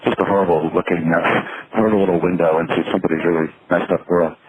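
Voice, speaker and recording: A man giving a halting, reflective, confessional monologue on a payphone call from a city street, over a noisy line. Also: deep voice, steady tone, phone-quality sound. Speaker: solo caller recording monologues from payphones.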